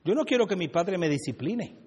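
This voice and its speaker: Preaching in a church hall, this Brooklyn-born pastor of Puerto Rican family jokes and talks back and forth with the congregation in a Puerto Rican Spanish accent. The voice is high-pitched, husky and darkish, very animated and fairly quick, with a big-room sound.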